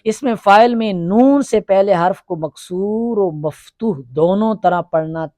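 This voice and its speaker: In a classroom grammar lesson, a male teacher drills his students with quick, short questions and has them repeat forms back. His voice is a little high and dark, sounding close and dry without room echo.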